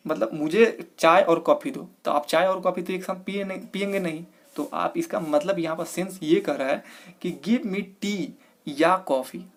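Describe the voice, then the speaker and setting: A young man, an exam coaching teacher, explaining test questions one by one and asking and answering his own questions as he goes. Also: fairly high pitch. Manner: walks through each answer step by step, asks and answers his own questions.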